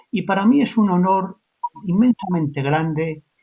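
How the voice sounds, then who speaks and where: A man speaks at a moderate pace, somewhat breathy, with lively intonation. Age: 60s. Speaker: church elder. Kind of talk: religious interview.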